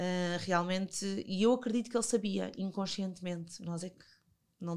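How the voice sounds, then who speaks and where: A woman speaks in a Lisbon accent. Her voice sits at a medium pitch. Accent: European Portuguese, Lisbon. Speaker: business owner. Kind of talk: interview, personal life story.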